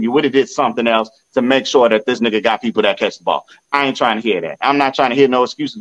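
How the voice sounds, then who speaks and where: The dull phone audio carries a medium-pitched man, a sports fan vlogger, casually talking football trash. His manner is swaggering, boastful and repetitive.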